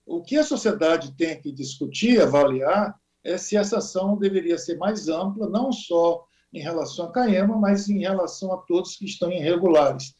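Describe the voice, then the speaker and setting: Male expert interviewee, high pitch, deliberate explainer. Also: a little mellow.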